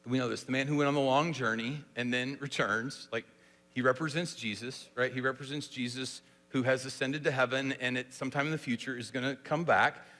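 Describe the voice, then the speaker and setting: A man's voice: medium pitch, steady tone, fairly quick, sharp tone, in a large hall. A man preaching a sermon in a church, speaking conversationally with many rhetorical questions. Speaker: pastor. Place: church sanctuary.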